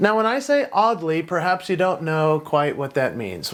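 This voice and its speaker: With ordinary pitch variation, this man keeps to a moderate pace. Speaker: entertainer and keynote speaker. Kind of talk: personal talk to camera.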